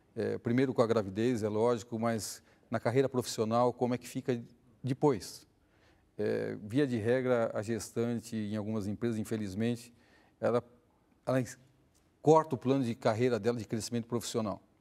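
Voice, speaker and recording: At a moderate pace, a man speaks with fairly even intonation and long, frequent pauses. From São Paulo, Brazil. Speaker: entrepreneur; interview guest. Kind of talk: interview. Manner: halting. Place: studio. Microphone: lapel.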